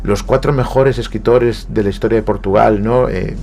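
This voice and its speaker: A Galician guest writer with a Spanish accent speaks reflectively in a radio studio, often hesitating and repeating words. His voice is lowish, steady and a little mellow at normal speed, with slight background noise.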